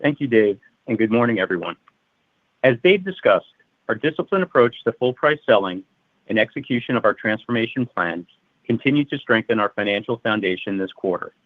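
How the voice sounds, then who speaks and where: A male finance executive reads a prepared financial results presentation aloud in a formal, methodical manner, heard over a narrow-band phone conference line. His voice is on the low side and expressive, a little fast, and the recording is dry.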